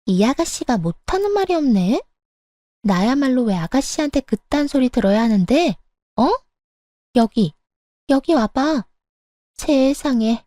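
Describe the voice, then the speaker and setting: Woman putting on a haughty, shrill mistress. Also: mellow, no echo. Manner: haughty, scolding, talks down. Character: brazen, bossy middle-aged mistress, would-be stepmother-in-law.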